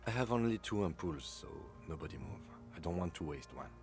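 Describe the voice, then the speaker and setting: Game character, measured, exacting police lieutenant, very low voice. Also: male voice, animated. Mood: composed. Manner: measured and precise. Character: calm, precise police lieutenant. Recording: faint music under the voice.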